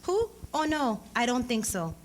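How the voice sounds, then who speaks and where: A woman voicing a dazed, evasive teenage girl who gives short, low-key replies in a story reading. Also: big pitch swings, unhurried. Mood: dazed, defiant. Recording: clearly noisy live event recording.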